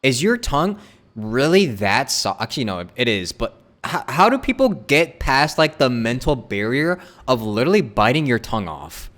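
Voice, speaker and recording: A man's voice: medium pitch, sing-song, moderate pace, fairly bright tone. A man giving chatty, reactive live commentary as a game streamer. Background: game music.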